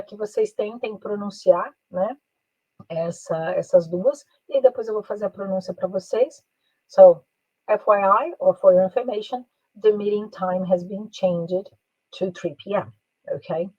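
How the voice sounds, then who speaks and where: A Brazilian woman teaches an English class in a chatty style, tagging her sentences with little questions and switching into English now and then. Her voice is husky and slightly breathy. It sounds dry and close, on a somewhat dull, lo-fi recording. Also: mid-range voice, warm tone, no echo. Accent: Brazilian Portuguese. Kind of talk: online master class.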